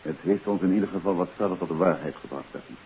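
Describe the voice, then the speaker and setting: An actor playing a composed amateur detective in a 1950s radio drama, questioning in a measured, insistent way. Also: male voice, deep voice. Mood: calm, probing. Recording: hissy old phone-like radio recording.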